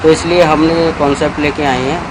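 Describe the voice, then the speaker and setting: A man's voice: fairly high pitch, steady tone, fairly quick. A man explaining informally as a business owner in an outdoor interview. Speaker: restaurant owner. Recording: loud roadway noise outdoors.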